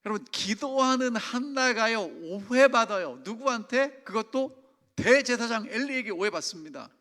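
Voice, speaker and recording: High, bright-voiced pastor preaching in a reverberant church. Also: male voice, animated, moderate pace. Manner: emphatic, asks the congregation questions. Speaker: senior pastor. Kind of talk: sermon. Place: church sanctuary.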